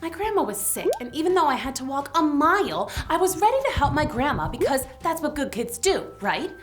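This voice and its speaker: A woman's voice: high-pitched, big pitch swings, fairly quick. A woman hosting children's story time, telling tales in a theatrical, exclamatory, playful way. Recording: music bed behind the voice.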